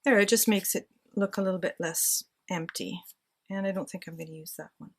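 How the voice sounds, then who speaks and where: Husky-voiced woman chatting while crafting. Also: fairly low pitch, fairly quick. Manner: chatty, talks to herself while working. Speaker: crafting vlogger. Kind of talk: casual crafting chat.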